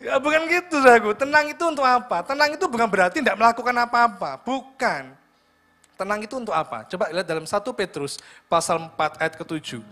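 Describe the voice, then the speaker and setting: Lively high-voiced man preaching. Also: quick pace. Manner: lively, joking with the congregation. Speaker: pastor. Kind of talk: sermon. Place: church hall. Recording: church livestream with music behind.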